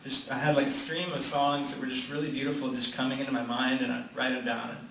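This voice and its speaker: A fast-talking man with a mid-range voice, level tone and fairly bright timbre shares a personal story at a gathering in a room. His telling is casual and rambling, full of restarts, fillers like "like," and frequent laughter. The mic is distant, the room echoes, and noise fills the background.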